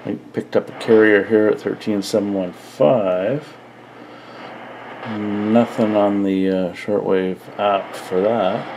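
Casual male hobbyist, deep voice, very leisurely delivery, faint noise in the room. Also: steady tone, slow pace, a little mellow, low-quality recording. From Canada. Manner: unscripted, thinking aloud. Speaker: radio hobbyist. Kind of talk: casual demonstration to camera. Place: indoor radio desk at home.

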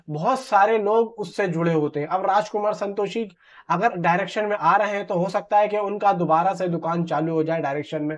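A man in his thirties with a high-pitched voice talks movies like a vlogger addressing viewers. His delivery is conversational and emphatic, doubling back on phrases to press a point. The sound is a little dull, recorded on a lapel mic in a room at home. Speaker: film news vlogger. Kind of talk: informal film commentary to camera. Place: small room at home, indoors. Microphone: clip-on lapel mic. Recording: slightly dull, muffled sound.

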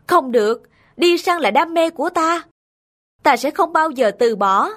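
Give me an imperious high-voiced tribal chief. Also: female voice, animated, unhurried, fairly bright tone. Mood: stubborn. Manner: imperious, dramatic. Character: proud, hot-tempered middle-aged male tribal chief. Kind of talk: children's folk-tale cartoon dubbing. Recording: studio voice over background music.

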